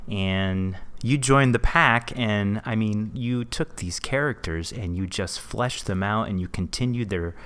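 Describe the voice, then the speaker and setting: A man with a fairly low voice hosts a casual podcast discussion. He guides the group conversationally, posing questions and talking in an informal interviewing style. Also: unhurried, few pauses, fairly bright tone, clear, resonant tone. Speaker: podcast host.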